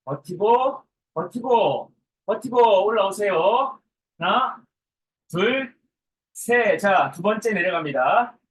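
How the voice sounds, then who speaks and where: A man's voice: high voice, expressive, slow, distant mic, poor audio. A man leading a live workout as a fitness coach, counting reps and giving short, repeated, commanding orders in a drill-like manner. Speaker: online group fitness coach.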